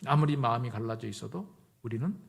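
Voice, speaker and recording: Speaking in a mid-range voice that is husky and creaky, this middle-aged pastor preaches quickly and with animation. His sermon is conversational, built on stories in which he performs both sides of each exchange.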